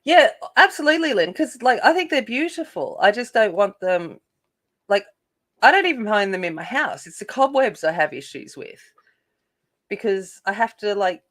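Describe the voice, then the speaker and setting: A woman's voice: mid-range voice, big pitch swings, moderate pace, fairly bright tone. A woman casually chatting with live viewers as she colors, rambling and full of fillers. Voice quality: not soothing by her own account. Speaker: coloring channel host. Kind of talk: casual chat while coloring.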